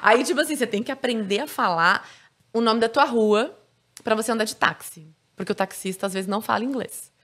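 A woman's voice: a little high, brisk, a bit bright. A Brazilian woman telling a story as a podcast guest, in a chatty style full of fillers. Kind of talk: casual podcast chat.

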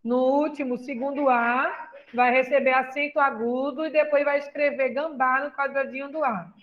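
A woman's voice: sits high, fairly even intonation, moderate pace, narrow, tinny audio. A woman teacher with a Brazilian Portuguese accent, patiently explaining a lesson and asking questions. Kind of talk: classroom lesson.

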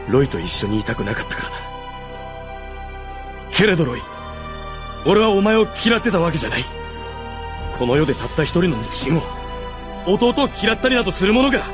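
An actor playing a gruff, proud undead warrior and brooding older brother in a Japanese radio drama. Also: male voice, mid-range voice, lightly acted. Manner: brooding, rough-spoken, heartfelt.

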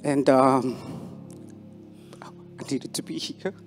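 A man's voice: mid-range voice, fairly even intonation, very slow. Young man from Sudan, hesitant testimony, handheld mic, faint music. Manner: hesitant, many fillers, growing fervent. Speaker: bible school student. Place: large indoor arena stage. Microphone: handheld microphone.

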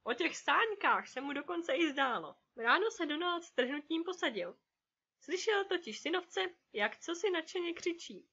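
Expressive female storybook narrator; bright, high voice, dull lo-fi recording. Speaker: audiobook narrator. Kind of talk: scripted narration of a children's story.

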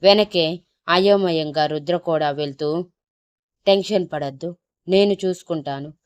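A woman narrating an emotional love story in a steady, flowing way. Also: deep voice, clean tone, dry recording.

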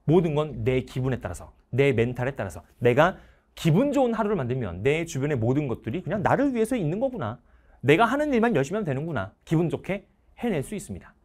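A man's voice: a little high, big pitch swings, quick pace, darkish tone. A middle-aged male teacher giving a motivational talk to students, acting out parents and everyday scenes as he goes. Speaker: Korean history teacher.

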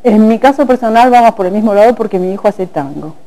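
A middle-aged woman conductor, guest on a TV studio talk show, explaining in a calm, measured way. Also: mid-range voice, a crowd in the background, poor audio. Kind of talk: casual TV interview. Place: TV studio set at a table.

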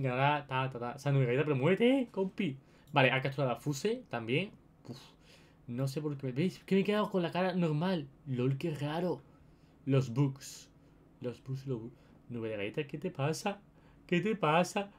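A young man with a Spain Spanish accent hosts a gaming video in a slightly high-pitched voice. He comments casually on the play as it happens, chatting to his viewers and often doubling or tripling his short phrases. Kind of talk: casual live gameplay commentary.

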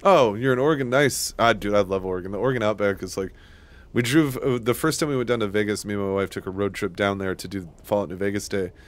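A man's voice: on the low side, fast talker. A man in his thirties from Washington State who hosts a live gaming stream, chatting loosely with viewers, rambling and swearing freely. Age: 30s. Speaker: streamer, host. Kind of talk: casual live-stream chat while gaming.

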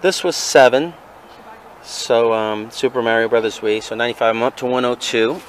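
A man's voice: mid-range voice, normal speed, a little hiss or hum. A man filming his flea market finds outdoors beside a van, tallying up what he spent with a lot of fillers. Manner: mumbled, hesitant, counting aloud with fillers. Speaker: flea market vendor and vlogger. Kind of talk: casual vlog narration, tallying purchases. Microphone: handheld camera, filming first-person.

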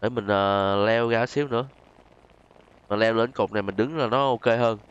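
A man's voice: lowish voice, fairly even intonation, moderate pace, clear, resonant tone, highs cut off. A man with a southern Vietnamese accent hosts a gaming video, giving casual gameplay commentary to his viewers.

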